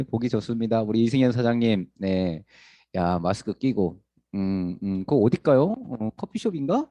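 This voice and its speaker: Man, effusive greeter, dark mellow tone, lively pitch, dry sound. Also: no echo. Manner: warm and effusive, greets people one by one. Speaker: group leader and guest speaker. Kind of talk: friendly greetings on a video call.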